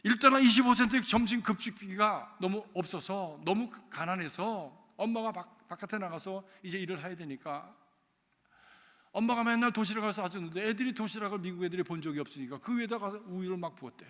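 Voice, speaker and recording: A man pastor telling a story in a sermon, with emotive swings in loudness. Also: sits high, fairly quick, in a large hall. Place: church sanctuary.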